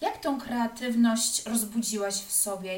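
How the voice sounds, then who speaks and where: A woman with a fairly high-pitched voice speaks at a fairly slow pace. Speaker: podcast host. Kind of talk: interview. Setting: guest's family home in Granada.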